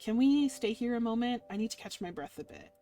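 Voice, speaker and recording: A woman's voice: a little high, lively intonation, brisk, mellow. A woman voicing a wary, self-deprecating, worn-out human in a visual novel, casual and hesitant, over music. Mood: tired, guarded. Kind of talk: visual novel character reading. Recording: music playing underneath.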